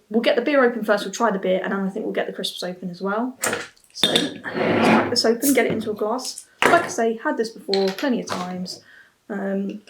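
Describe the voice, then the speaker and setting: A young woman chats casually to camera as a reviewer, with a medium-pitched voice. She thinks aloud, hesitating and restarting mid-thought. She is recorded in a small room at home on a camera mic a short way off. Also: noisy background. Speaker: beer and snack reviewer. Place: small plain room at home, seated at a table.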